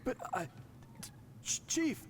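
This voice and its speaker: A man's voice: slow pace, natural voice. A man voicing an earnest, nervous, deferential young tribal priest in an anime game, formal and prone to stammering. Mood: flustered, apologetic.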